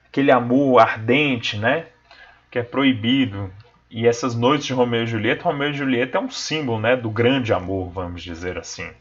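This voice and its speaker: A man's voice: medium pitch, fairly bright tone. A man teaching a literature lesson, explaining a poem to viewers and checking in with them often. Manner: explanatory, addresses viewers as "gente", frequent "né?" and "tá bom?". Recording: slightly dull lo-fi sound.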